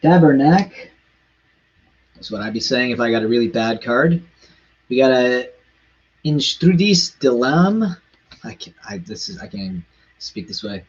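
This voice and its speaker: A man chatting casually on a live stream, rushing in quick bursts and stumbling over foreign words. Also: mid-range voice, steady tone, breathy edge, muffled recording. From Canada.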